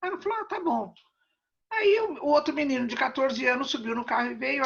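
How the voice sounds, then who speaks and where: Talking at a fairly quick pace, a woman uses a high voice that swings very widely in pitch. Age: 80s+. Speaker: veterinary professor and spiritist lecturer. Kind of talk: interview.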